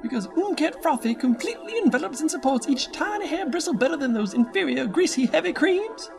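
A woman's voice: animated, brisk, creaky. A woman doing a folksy gushing ad announcer. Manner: folksy, gushing pitch talk. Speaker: radio ad presenter. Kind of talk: old-time radio comedy ad. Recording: music bed under voice.

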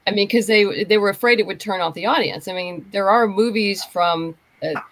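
Podcast guest: female, medium pitch, informal conversational delivery. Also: fairly quick, slight background noise. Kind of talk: casual chat.

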